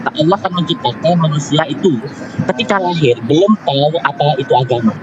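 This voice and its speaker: A man calling into a live online discussion, asking a question haltingly while his microphone clips and breaks up into distortion. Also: a little high, expressive, muffled recording, over loud music. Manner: hesitant, halting questioner with restarts. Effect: clipping, crackling distorted mic. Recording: noisy distorted online call audio.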